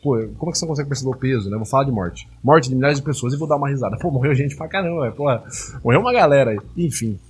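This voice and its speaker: A man hosting a casual commentary, talking in an animated, indignant way with slang and plenty of fillers. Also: mid-range voice, rapid-fire, slight background noise. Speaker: host analyzing rhetoric.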